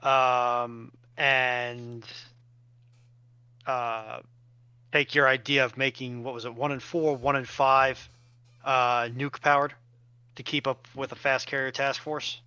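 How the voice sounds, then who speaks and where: A man with a bright, smooth voice at a middle pitch talks casually on a panel call. He assembles his thoughts hesitantly, and the dry audio is a little dull and band-limited. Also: flat delivery, takes it slowly, no echo. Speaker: panelist on a live stream. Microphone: online voice call.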